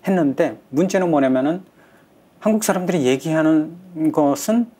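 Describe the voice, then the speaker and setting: A man in his forties from North Korea, a guest on a studio talk show, telling his story in an earnest, measured way with frequent pauses, his accent softened toward Seoul speech. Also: fairly high pitch, expressive, husky. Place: bright TV studio set. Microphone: lapel mic.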